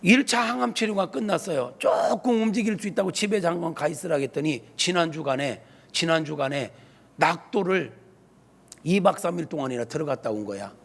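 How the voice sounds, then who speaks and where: A man preaching a sermon as senior pastor, telling stories with animated delivery and acting out the people he quotes. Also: on the high side, a little fast, gravelly. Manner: animated storytelling, acting out quoted phone calls. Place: church sanctuary. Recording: long church hall reverb.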